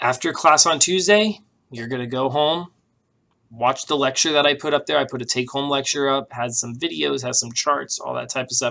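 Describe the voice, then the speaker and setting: A man with a bright, sharp tone at a medium pitch, ordinary pitch variation and a moderate pace. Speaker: college business professor. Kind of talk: virtual office hours talk to students. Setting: live stream.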